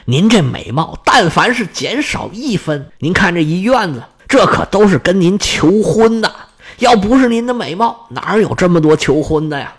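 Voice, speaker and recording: A man voicing a pushy, flattering male suitor leader in a spoken story, with a husky voice. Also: high-pitched, full character voice. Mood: eager. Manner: gushing, drawn-out flattery.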